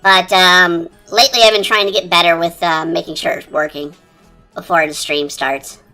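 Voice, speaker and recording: A streamer talking through a high-pitched chipmunk voice changer in rambling, casual chat while drawing. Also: steady tone, normal speed, poor audio. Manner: rambling, chatty, lots of fillers. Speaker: art streamer. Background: quiet cafe-style background music.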